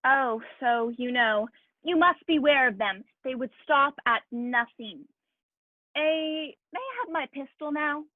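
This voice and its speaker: Radio play villain, played by a woman: courteous, stilted, quietly threatening, high pitch, narrow telephone-like sound. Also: unhurried, dry recording. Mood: wary, bargaining. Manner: formal, stilted, over-polite menace. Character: polite, shifty, menacing Greek man with pistol. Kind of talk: film noir radio play acting. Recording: thin, phone-like band-limited sound.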